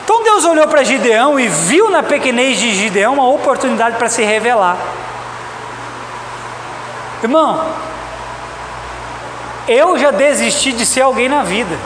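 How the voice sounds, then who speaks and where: This Brazilian man's sermon comes in a very high-pitched voice with lively intonation, a moderate pace, and long pauses. Addressing the congregation directly, he stresses and repeats his points. The recording, made in a reverberant church hall, is echoey with loud background noise.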